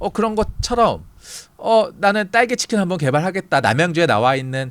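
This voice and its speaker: A man's voice leaps through very wide pitch swings on a very clean recording with a silent background. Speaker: startup educator. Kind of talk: lecture. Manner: gets loud while lecturing.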